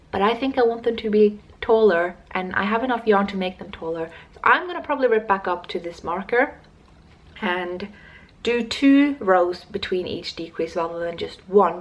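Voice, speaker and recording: A woman talks to her camera about her knitting projects, with a gravelly, creaky edge to her voice. She rambles and digresses, interrupting herself mid-sentence. Her pitch sits in an ordinary middle range. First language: not Swedish. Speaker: knitting podcast host. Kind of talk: casual knitting vlog chat.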